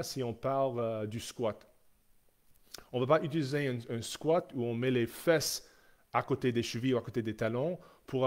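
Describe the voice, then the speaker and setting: A man's voice: mid-range voice, darkish tone. A man, a strength coach giving a live Q&A presentation, hesitant, with many fillers and restarts. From Canada. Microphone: live stream.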